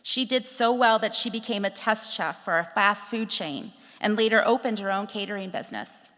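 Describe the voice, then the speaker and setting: A middle-aged woman from Texas reading a personal essay aloud, in a reflective, measured storytelling manner. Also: medium pitch, a bit bright. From Texas, USA. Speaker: speaker telling a personal story. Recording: long hall reverb.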